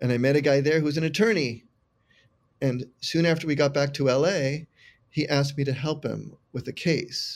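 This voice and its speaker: In an American accent, a man talks fairly slowly at a fairly high pitch with ordinary pitch variation. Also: very clean recording, silent background. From Northern California, San Francisco Bay Area. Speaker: filmmaker. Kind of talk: interview storytelling.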